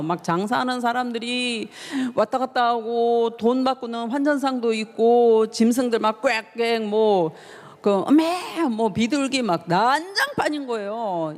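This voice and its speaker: A woman pastor preaching to a youth service, telling the story with lively rhetorical questions to her listeners. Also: fairly high pitch. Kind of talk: youth sermon. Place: church hall. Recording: long reverb of a church hall.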